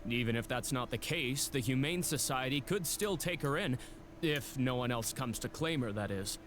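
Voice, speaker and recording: A man's voice: medium pitch, expressive, moderate pace, fairly bright tone, close to an everyday voice. An actor playing a courteous, apologetic male shelter director, speaking in a formal, polite manner. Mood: earnest. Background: game music.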